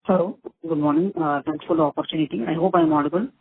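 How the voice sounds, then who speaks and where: A man's voice: a little high, steady tone, fast, breathy edge, no echo. A man with an Indian accent, an analyst asking questions as a caller on an earnings call. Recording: noisy tinny phone line.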